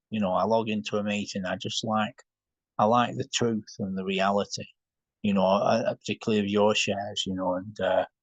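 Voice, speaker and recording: Fairly quick speech in a Scottish accent, with monotone, flat intonation. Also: man, fairly low pitch for a man. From Scotland. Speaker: podcast host. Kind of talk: casual chat. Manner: hesitant, many fillers.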